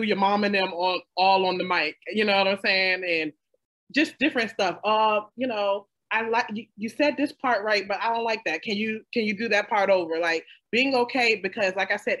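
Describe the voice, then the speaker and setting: A woman creator on a panel, speaking in an emphatic, colloquial way. Her voice sits at a middle pitch and breaks into lively, animated asides. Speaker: audio drama creator. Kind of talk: casual panel chat.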